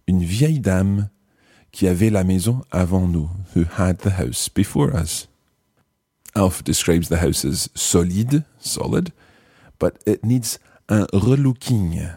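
A man hosting a language lesson podcast, presenting from a script in an explanatory, clearly phrased way. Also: deep voice, expressive, takes it slowly, dark tone, no room sound, clean studio sound.

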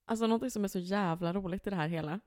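A woman's voice: medium pitch, a little mellow, no room sound. Teasing young woman, dry close sound. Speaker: podcast co-host. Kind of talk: casual chat.

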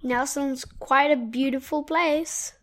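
A woman's voice: high-pitched, fairly even intonation, slow pace. A woman with a New Zealand accent hosting an interview, reading an earnest scripted intro and asking questions. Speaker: podcast host, interviewer.

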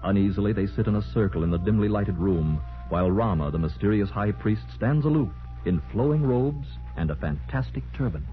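A man's voice: fairly low pitch, animated, brisk, natural voice. A man as a polished, dramatic announcer narrating a 1940s radio mystery. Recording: muffled old radio recording. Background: loud music.

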